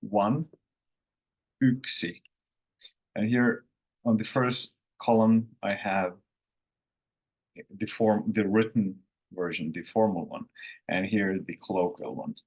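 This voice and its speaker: A man who is a native Finnish speaker, hosting a casual online language lesson in an unhurried, rambling way with self-corrections. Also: on the low side, husky, lo-fi sound. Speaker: language course host.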